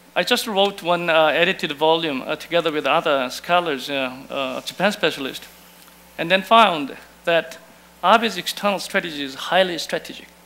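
A man speaks at a moderate pace with a Korean accent, his voice high-pitched with ordinary pitch variation. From South Korea. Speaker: professor. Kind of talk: panel discussion. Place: hall. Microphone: headset.

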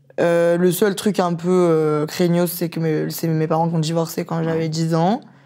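Against a quiet background, a woman speaks fairly slowly in a fairly low pitch with a dark, mellow tone. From France, countryside near Lyon; France. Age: 20s. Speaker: YouTuber. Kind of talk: casual interview chat. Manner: animated. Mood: relaxed, candid. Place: studio.

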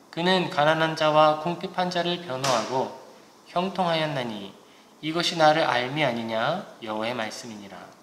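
There is audible room echo and light background noise as a man speaks at a moderate pace. His voice is fairly high-pitched, with lively intonation. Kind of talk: reading aloud. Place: home room.

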